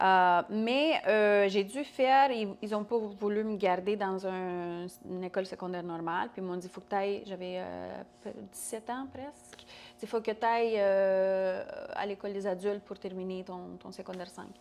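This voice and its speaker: A woman with a non-native accent at a medium pitch, fairly slow pace, fairly even intonation and big swings in loudness, on a very clean recording with a silent background. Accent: foreign accent in French. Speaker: business owner. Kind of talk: podcast interview. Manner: halting, many fillers.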